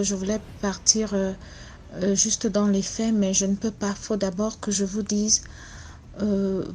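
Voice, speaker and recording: Cameroonian woman caller, slow and soft, hesitant personal testimony, faint noise behind. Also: medium pitch. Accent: Cameroonian French. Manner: speaks softly and slowly, with many hesitations. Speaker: caller sharing a story.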